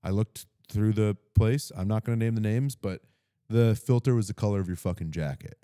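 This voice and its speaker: A man co-hosting a podcast in casual chat, halting often with fillers and restarts. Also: lowish voice, warm tone, clean tone, dry recording, studio quality. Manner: hesitant, filler-heavy, laughing. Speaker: podcast co-host, comedian.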